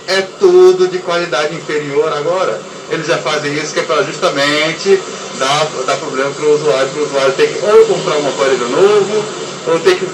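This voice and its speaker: A man, a former repair technician, explaining casually and stumbling over repeated words. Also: fairly high pitch. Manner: hesitant, repeats words often. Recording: echoey room, far from mic, noisy.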